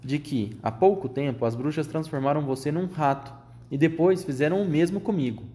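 A clever young boy turned into a mouse, talking calmly and persuasively in a slightly raised voice, as a man reading a storybook puts him on. He reasons patiently and urges his friend on. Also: on the high side, normal speed, close to an everyday voice. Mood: reasoning.

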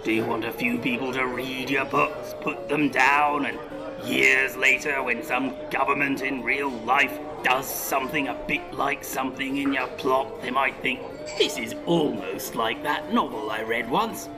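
A man plays a genteel English male writer with dictatorial ambitions, in a science fiction comedy audio drama. He is articulate, pompous and persuasive, at an everyday middle pitch. Music plays clearly behind him. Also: steady tone, a little slow, close to an everyday voice. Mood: grand, rousing. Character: George Orwell, scheming genteel English writer turned dictator.

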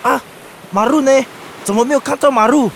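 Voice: high-pitched, a little fast, gravelly, slight background noise. An actor voicing a hot-headed young tribal warrior in a radio drama, with a Taiwanese accent and a blunt, defiant, dramatic delivery. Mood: anxious. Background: music.

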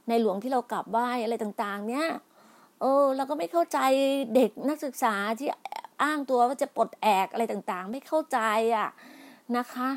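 A middle-aged woman speaking in a heated political monologue, scolding and pleading by turns, with many restarts and repetitions. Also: fairly high pitch. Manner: emphatic, scolding, repeats herself with many restarts; polite particles, pleading then indignant.

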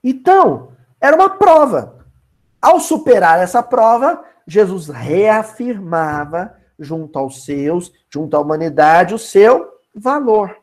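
A man's voice: sits high, slow. A man leading a Spiritist Bible study lesson, colloquial and asking his listeners questions. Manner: animated, colloquial, asks the audience questions.

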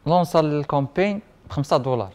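A young man speaks rapid-fire in a slightly high, darkish voice with lively intonation, telling his story casually as an interview guest. He works as a printing and IT technician, has a Moroccan Arabic accent, and peppers his conversation with French words and quoted dialogue.

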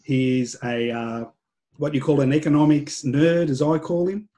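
A man's voice: fairly high pitch, steady tone, normal speed, warm tone. A man hosting a podcast, welcoming a guest and asking about his background with reflective asides. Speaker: podcast host. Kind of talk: interview hosting.

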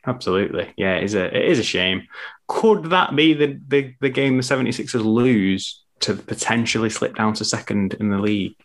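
A man's voice: on the low side, a little fast. A young man hosting a casual sports podcast over a video call, chatty and rambling, often correcting himself. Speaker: podcast host.

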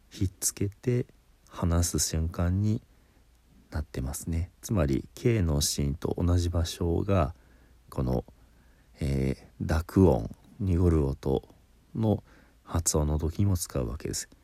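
A man's voice: low voice, vocal fry, warm tone, dry recording. A man teaching pronunciation in a patient spoken lesson, explaining step by step and demonstrating sounds.

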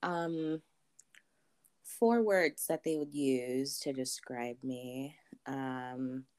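A young adult woman from Zambia, answering interview questions thoughtfully with many pauses and ums. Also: deep voice, a little mellow. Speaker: interview guest.

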